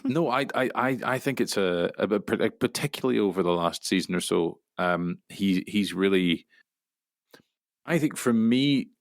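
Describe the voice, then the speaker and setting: A man's voice with a strong gravelly creak, sitting fairly low. He chats reflectively as an interviewed actor, hesitating and rephrasing, in a dry recording. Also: expressive, normal speed, no echo. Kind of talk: casual, reflective interview chat.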